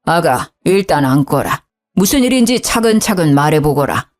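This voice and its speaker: A woman voicing an older father-in-law who scolds bluntly and coaxes gently, over faint background music. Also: sits low, very animated, moderate pace, voice pushed down. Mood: calm, soothing. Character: stern older father-in-law, gruff then pleading.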